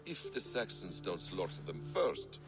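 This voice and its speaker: Low, sardonic Arab warrior. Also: male voice, big pitch swings, unhurried, vocal fry, over music, heavily acted. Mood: grave. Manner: dry, formal, mocking. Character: sardonic, eloquent Arab warrior companion, male. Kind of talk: video game story acting.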